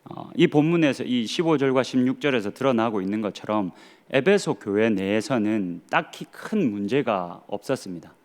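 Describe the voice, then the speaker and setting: A man's voice: mid-range voice, lively intonation, normal speed, few pauses, a little mellow. A man in his thirties, a pastor with a Gyeongsang Korean accent, preaching a sermon earnestly with rhetorical questions and dry humor. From Gyeongsang region of Korea.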